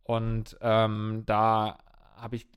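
A man's voice: lowish voice, monotone, extremely slow, clean tone. A man co-hosting a podcast, talking in a casual, rambling and jokey way. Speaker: podcast co-host. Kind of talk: casual chat.

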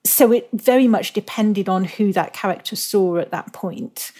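A woman's voice: medium pitch, normal speed, mellow. A woman from Scotland, a novelist, talking reflectively about her writing in a casual interview. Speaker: novelist guest.

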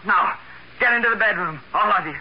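A man's voice: high voice, a little fast. An actor playing a desperate young man on the run in a 1940s radio crime drama. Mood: desperate, threatening. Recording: noisy, muffled old radio recording with clicks.

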